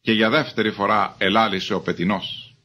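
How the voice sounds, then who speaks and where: A man giving a measured, formal reading of scripture as a Bible reader. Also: fairly low pitch, steady tone, bright, forceful tone.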